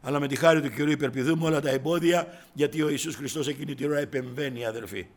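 A man preaching a sermon, swinging between soft murmurs and loud fervent cries, and often addressing his listeners as brothers. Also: fairly high pitch. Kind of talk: impassioned sermon.

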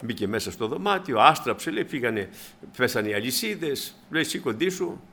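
Male preacher, lively storyteller, bright forceful tone. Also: medium pitch. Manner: animated storytelling, acting out the people in his stories. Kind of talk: sermon.

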